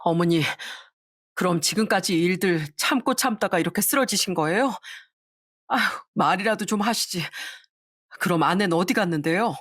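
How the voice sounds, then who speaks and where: A woman's voice: fairly low pitch, moderate pace, fairly bright tone, no room sound, clean studio sound. A woman voicing a husband who holds his anger in and speaks curtly. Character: angry husband holding back.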